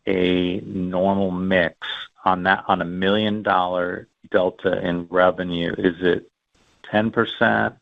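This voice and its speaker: A man's voice: deep voice, gravelly, dry recording. A man speaking as an analyst, putting conversational questions to executives on an earnings call. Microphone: phone or conference line. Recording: dull, dry call audio.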